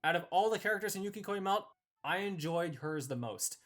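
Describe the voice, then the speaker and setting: A man's voice: high voice, lively intonation, brisk, a bit bright. A man hosting a video, giving scripted review commentary as he ranks characters in a tier list.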